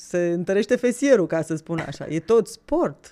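The woman's voice has a dark, mellow tone. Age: 40s. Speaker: fitness instructor. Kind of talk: casual chat.

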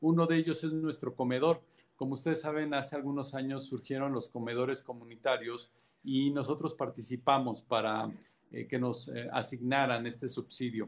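Here a man talks at a moderate pace with a medium pitch and fairly even intonation. He has a normal speaking voice. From Mexico City. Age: 40s. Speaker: political candidate, lawyer. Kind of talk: interview.

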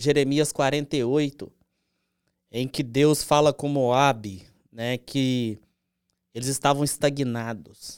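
On a very clean recording with a silent background, a man with a Brazilian accent speaks very slowly with fairly even intonation and long, frequent pauses. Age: 40s. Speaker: evangelical preacher and podcast host.

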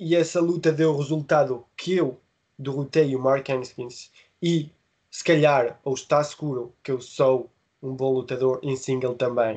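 Keeping his intonation fairly even, a man with a fairly high pitch speaks at a fairly slow pace. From Portugal, Trás-os-Montes (Bragança), raised in Spain and France from age 6-7. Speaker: professional wrestler. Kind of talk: interview. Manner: halting.

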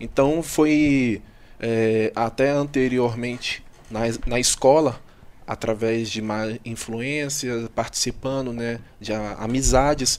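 With fairly even intonation and a medium pitch, a man speaks at a very slow pace. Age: 20s. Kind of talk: testimony.

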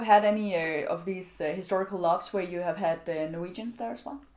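Noticeable background noise accompanies a woman speaking at a fairly quick pace. Her pitch is medium, with ordinary variation. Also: hardly any pauses, big swings in loudness. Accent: Danish. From Denmark. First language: Danish. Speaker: podcast host. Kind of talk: podcast interview. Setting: festival venue.

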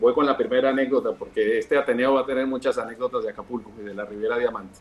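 A man at a medium pitch uses ordinary pitch variation in an ordinary speaking voice. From Venezuela, Caracas. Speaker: hotel general manager. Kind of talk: podcast interview.

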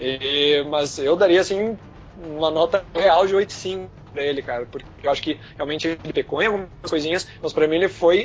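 A man's fairly high voice, moving with ordinary pitch variation, comes through noticeable background noise. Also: moderate pace. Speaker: podcast panelist. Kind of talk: casual chat.

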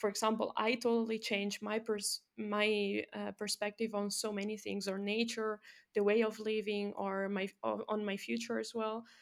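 A woman speaks at a moderate pace and medium pitch, with an Italian accent and monotone, flat intonation. The recording is very clean, with a silent background. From Italy. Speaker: podcast host. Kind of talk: interview.

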